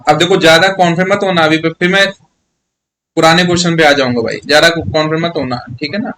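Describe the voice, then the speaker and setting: Running a live online maths lesson, this man speaks fast with a fairly high, slightly bright voice and fairly even intonation. He coaxes his students along in a chatty way, repeatedly asking "yes or no?" to see if they're keeping up.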